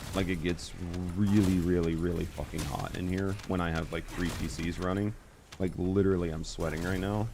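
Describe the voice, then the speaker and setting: A man speaks loudly in a very deep, low voice with monotone, flat intonation. His moderate pace is heard through audible room echo. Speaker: video game streamer. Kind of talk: live gameplay stream chat. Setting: home office with three PCs. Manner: casual, filler-heavy.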